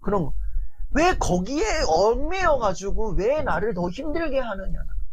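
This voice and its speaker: A lecturer giving a motivational talk in a colloquial, animated way, with lots of filler words, who acts out people's inner thoughts. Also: mid-range voice, moderate pace, crowd noise, rough recording. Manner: repetitive filler-heavy phrasing.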